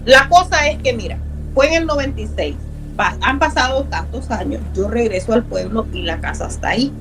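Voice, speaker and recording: Middle-aged woman, emphatic storyteller, a touch high, faint music underneath. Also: lively intonation, a little fast, rough recording. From Honduras. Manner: earnest and emphatic, repeats words for stress. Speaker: guest telling a true haunting story. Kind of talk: personal storytelling in a conversation.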